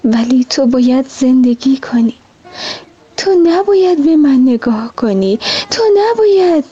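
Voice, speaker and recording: A woman voicing a kind, worried sun that gently warns its friend, in an earnest storybook voice. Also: high voice, big pitch swings, highs cut off, pitched above the performer's own voice. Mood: gentle, worried.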